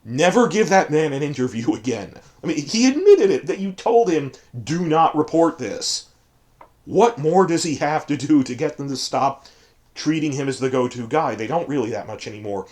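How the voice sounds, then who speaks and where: A hoarse man with a cold, giving emphatic, digressive commentary as a fantasy fandom channel host. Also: a little high, expressive, moderate pace, a little mellow. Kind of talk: ranting commentary.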